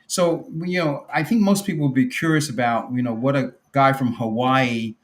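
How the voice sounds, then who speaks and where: A man hosting an interview podcast, introducing his guest in a measured, formal way. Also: medium pitch. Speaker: podcast host.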